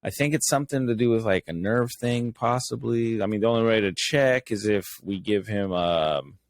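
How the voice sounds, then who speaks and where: A man's voice: fairly low pitch, normal speed, dry recording. A man co-hosting a podcast, chatting casually and jokingly with slang and swearing. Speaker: podcast co-host. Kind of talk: casual banter.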